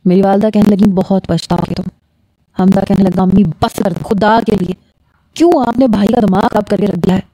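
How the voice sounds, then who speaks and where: Woman reading a love story out loud, very dark mellow voice, dry close mic. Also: mid-range voice, fairly even intonation, dry recording. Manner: reads all characters in her own voice, rising for quotes. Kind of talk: scripted narration of a romance story.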